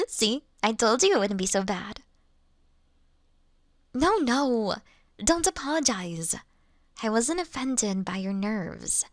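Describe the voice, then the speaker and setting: A woman's voice: high-pitched, a bit bright, no echo, studio quality, exaggerated voice. A woman voicing a kind, playful female vampire who reassures and teases politely in an intimate roleplay audio drama. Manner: soothing, polite, teasing, unhurried.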